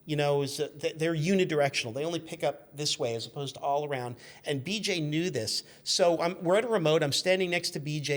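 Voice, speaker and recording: A man's voice: on the high side, creaky, fairly bright tone. A man in his fifties chatting casually as a guest, telling anecdotes and acting out what people said. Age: 50s. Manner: acts out quotes in stories. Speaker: guest, former radio intern.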